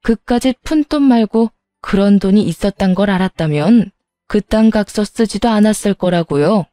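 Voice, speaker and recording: A woman's voice: medium pitch, moderate pace, dark tone, no echo, clean studio sound, close to an everyday voice. A woman doing a greedy scheming sister-in-law. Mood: demanding. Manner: sugary then brazen and demanding.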